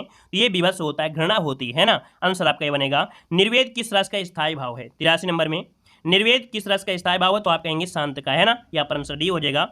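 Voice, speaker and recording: A man's voice: high-pitched, bright, forceful tone. A man teaching an exam-prep lesson, going through questions and repeating each question and answer with rhetorical checks to the listeners. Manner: addresses listeners as friends.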